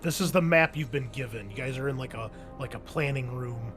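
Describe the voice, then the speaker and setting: Male game master, medium pitch, patient and slightly halting casual explainer, faint music underneath. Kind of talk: casual online tabletop roleplaying game talk. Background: background music.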